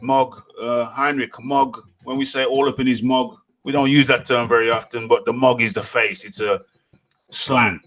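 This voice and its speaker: A man's voice: medium pitch, steady tone, moderate pace, fairly bright tone. A man hosting a live boxing talk stream, repeating phrases, joking and hyping his viewers. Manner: repeats phrases, hypes viewers, jokes around. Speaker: boxing talk show host.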